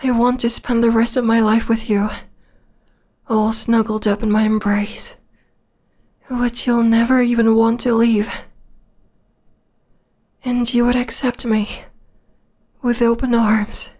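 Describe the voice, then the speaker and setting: A possessive young vampire girl, acted by a woman, speaks in an intimate ASMR roleplay. Her voice is fairly high and soft, often slipping toward a whisper. She takes her time with steady, narrow intonation, sounding sweetly menacing and obsessed. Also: slow pace, pauses often. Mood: lovingly obsessed.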